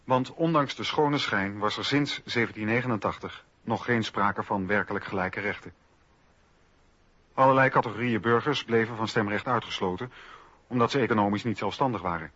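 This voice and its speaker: Bright, husky male radio narrator. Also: on the low side, dry recording, lo-fi sound. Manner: measured, factual. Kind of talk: scripted historical narration.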